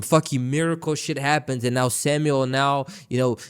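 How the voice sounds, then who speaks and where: A man with a Brazilian accent sounds animated, using ordinary pitch variation in a very clean recording with a silent background. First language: Portuguese. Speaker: YouTuber, reaction streamer. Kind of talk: casual reaction commentary. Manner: stutters, self-corrects often.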